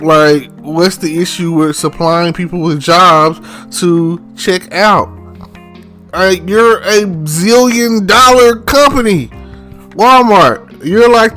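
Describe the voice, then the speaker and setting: A man talking casually on his own in a rambling monologue, laughing often and getting louder and higher when exasperated. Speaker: podcast host.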